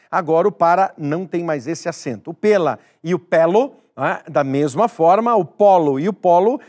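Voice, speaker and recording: A man's voice: a little high, a little mellow. A man teaching a recorded exam-prep grammar lesson, emphatic, repeating key words and speaking straight to the viewer.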